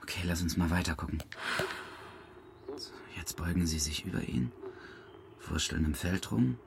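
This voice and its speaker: Lively, probing amateur investigator. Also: male voice, deep voice, normal speed, gravelly, background noise. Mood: curious. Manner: probing, excitable. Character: eager, probing camp leader investigating with friend. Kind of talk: German radio crime drama acting.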